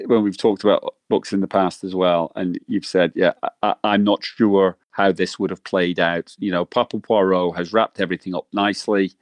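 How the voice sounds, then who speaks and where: A man's voice: low voice, no room sound. A man co-hosting a book podcast, chatting casually with frequent restarts and fillers. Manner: hesitant, many restarts and fillers. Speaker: podcast co-host.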